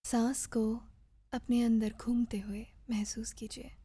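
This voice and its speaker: A woman leads a guided meditation in a soft, breathy voice. She speaks slowly and gently, leaving pauses between measured instructions. Her voice sits a little high yet stays mellow, captured close and dry. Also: level tone, dry recording.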